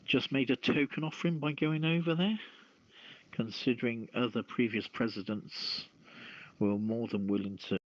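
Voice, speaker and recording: A man hosting a radio call-in show, reading news and opening discussion in a halting delivery with stumbles. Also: mid-range voice, fairly even intonation. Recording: roomy, dull lo-fi radio-style audio.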